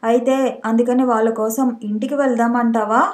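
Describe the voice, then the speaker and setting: A woman's voice: a little high, steady tone, normal speed, darkish tone, close to an everyday voice. A woman narrator voicing a fussing old grandmother. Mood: coaxing. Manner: coaxing, chiding. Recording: echoey room.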